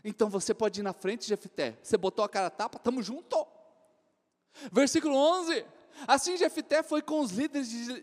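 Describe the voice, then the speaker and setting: A woman pastor preaching a lively, folksy sermon, animated and full of acted quotes, in a church. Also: fairly high pitch. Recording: long church hall reverb.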